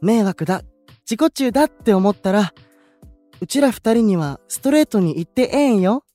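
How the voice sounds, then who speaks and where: Sweet candid kansai idol boy, high lively voice, very dry audio drama sound. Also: moderate pace, dry recording, faint music behind. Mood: earnest, caring. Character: gentle, candid young male station idol with high voice. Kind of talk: anime-style audio drama acting.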